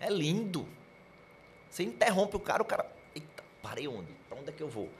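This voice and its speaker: A man is talking. His pace is fairly quick. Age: 40s. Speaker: pharmaceutical industry manager. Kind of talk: live podcast interview. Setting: live event with audience. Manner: calm.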